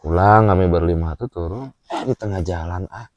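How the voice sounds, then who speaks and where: A man recounts a personal experience in a relaxed chat. His voice is lowish and mellow, and it swings widely in pitch. The sound is dry and close. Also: a little fast, no echo, muffled recording. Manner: animated, with frequent filler "ah" and "A", acts out gestures while telling. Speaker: guest telling his experience. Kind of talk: casual storytelling chat.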